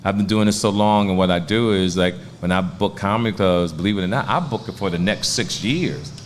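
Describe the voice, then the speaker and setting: Low-voiced man in his sixties, streetwise. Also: brisk, slight background noise. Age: 60s. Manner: laid-back, streetwise storyteller with profanity. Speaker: stand-up comedian guest. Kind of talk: casual interview storytelling.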